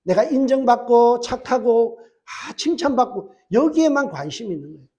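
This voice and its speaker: Male pastor with a very high voice, preaching at a church service and quizzing his flock. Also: lively intonation, moderate pace, darkish tone. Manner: asks the congregation rhetorical questions and answers them; emphatic preaching with repeated phrases. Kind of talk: sermon.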